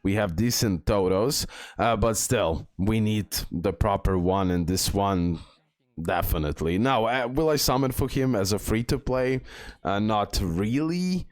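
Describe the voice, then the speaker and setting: Low-voiced man rambling over gameplay. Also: expressive, unhurried, no echo, studio quality. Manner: rambling, repeats words, many fillers. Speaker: gaming video host. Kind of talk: casual game commentary.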